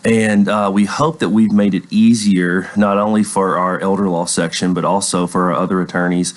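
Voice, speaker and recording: A man's voice: low voice, level tone, normal speed. A man from Tennessee, explaining his work as a guest attorney in a polite, earnest, conversational way. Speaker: elder law attorney, interview guest. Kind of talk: conversational radio interview.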